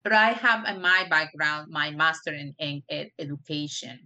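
Peruvian spanish accent lady, middle-aged, low voice but bright edge, earnest and kinda halting. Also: muffled recording. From Peru. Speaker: guest. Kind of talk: interview conversation.

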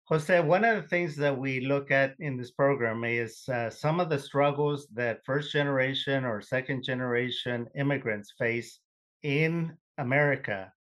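A man hosting an interview program, reading a polished introduction and then asking measured questions. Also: medium pitch, fairly bright tone. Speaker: host.

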